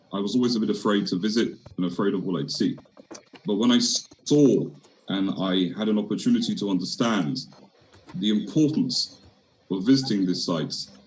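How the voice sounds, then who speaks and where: A man speaks at a moderate pace and fairly low pitch, with lively intonation. Long pauses come often. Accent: strong British. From London, England. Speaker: foundation founder. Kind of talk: video call interview.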